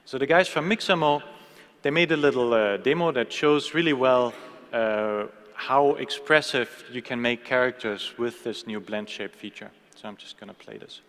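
Man demoing software on a reverberant stage. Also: medium pitch, normal speed, a little hiss or hum. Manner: casual, hesitant, many fillers and restarts. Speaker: software presenter. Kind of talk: live tech keynote demo. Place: large conference hall stage. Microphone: podium mic. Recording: long hall reverb.

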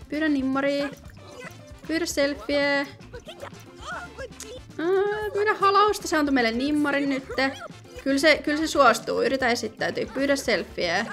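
A young woman commenting casually on her gameplay, chatty and excitable, often pleading and reading out game options. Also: high voice. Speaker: gaming video host.

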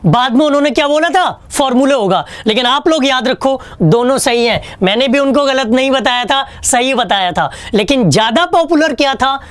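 A man's voice: extremely high pitch, lively intonation, moderate pace, few pauses, a bit bright, no echo. A man teaching an online exam-prep English lesson, chatty and joking, asking questions and answering them himself. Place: online class studio with a whiteboard.

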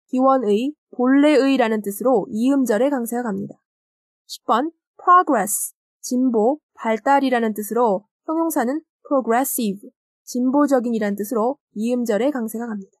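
A woman with a fairly high voice gives a recorded English lesson. She reads each example sentence slowly and carefully. The sound is close and dry, with no room around it. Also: no echo. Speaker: English teacher. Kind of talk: recorded grammar lecture.

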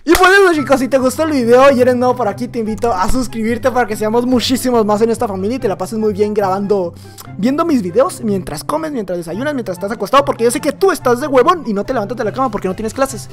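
A man with a Mexican Spanish accent giving excitable, joking gameplay commentary as a YouTuber, rambling asides to his viewers. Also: very high voice, quick pace, soft background music. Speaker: gaming YouTuber.

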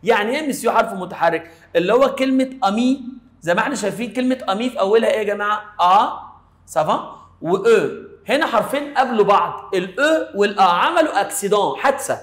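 A man with an Egyptian Arabic accent giving a playful, casual French lesson, explaining slowly with little stories. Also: sits high, animated, a bit bright, echoey room. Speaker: French teacher.

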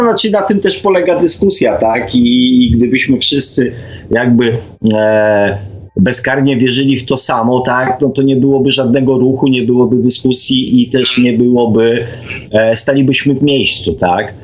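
A man's voice: mid-range voice, low-quality recording. A man hosting an unscripted discussion, speaking hesitantly and reflectively, with frequent tag questions. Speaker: radio show host.

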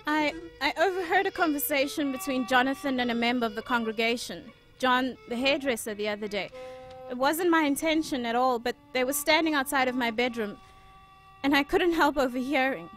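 High-pitched, earnest young woman, acted, with music behind. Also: a little fast, a bit bright. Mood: troubled. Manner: earnest, hesitant but determined. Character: earnest troubled young woman, protective, righteous elder sister. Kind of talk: audio drama acting.

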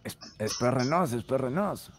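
A man, a fellow player in a game role-play, giving hurried, stammering explanations. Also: medium pitch, expressive. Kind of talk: game voice chat. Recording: game voice chat with loud noise.

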